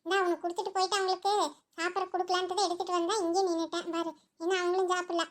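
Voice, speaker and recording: Cartoon voice actress, very high voice, quick chatty village banter. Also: female voice, flat delivery. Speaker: narrator voicing all characters. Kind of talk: cartoon voice acting.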